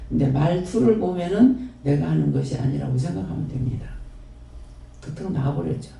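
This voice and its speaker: Gravelly Gyeongsang pastor in echoing hall. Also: male voice, fairly high pitch, dark tone. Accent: Gyeongsang Korean. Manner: rambling, repetitive, folksy. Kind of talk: sermon and closing prayer. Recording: very echoey hall, distant mic.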